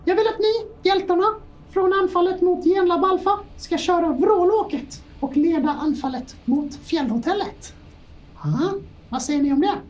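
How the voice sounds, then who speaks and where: A stern female rebel leader animal, curt and commanding, who brooks no interruption, voiced by a woman. Her voice sits very high. She is a tabletop game character. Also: darkish tone.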